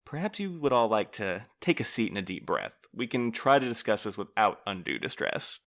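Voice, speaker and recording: A man playing a cautious, courteous postmaster in an audio drama, speaking in a formal, measured, polite way. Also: on the low side, very animated, fairly bright tone, dry recording, clean studio sound. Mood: calming. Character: cautious, courteous male postmaster, mild and diplomatic.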